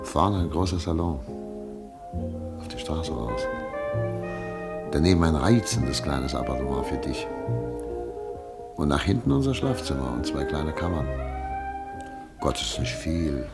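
An actor playing a hopeful, earnest middle-aged exiled doctor and husband in a radio play, speaking in a measured way. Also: male voice, very deep voice, expressive, vocal fry, loud music behind the voice, exaggerated voice. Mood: hopeful, tender.

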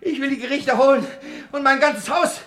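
High bright-voiced old miser, slow, stammering and blustery, radio play. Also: male voice, very animated, gravelly, heavily acted. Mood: frantic. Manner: blustering, stammering, cries out in despair. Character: miserly old father, greedy, frantic and suspicious. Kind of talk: classic stage radio play acting.

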